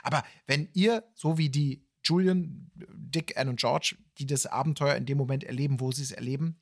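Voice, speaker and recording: A man's voice: medium pitch, creaky. A man co-hosting a podcast, thinking aloud in tentative, winding sentences during casual chat. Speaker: podcast co-host.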